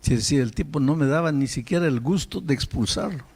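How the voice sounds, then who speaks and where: A male pastor telling a story in a sermon, emphatic and animated, often breaking off and restarting his words. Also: on the high side, brisk, slightly rough.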